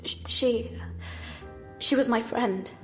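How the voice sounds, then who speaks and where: A woman's voice: fairly high pitch, slow pace, soft background music. A woman playing a nervous, grieving young woman in an audio drama, hesitant but insistent. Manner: hesitant, stammering.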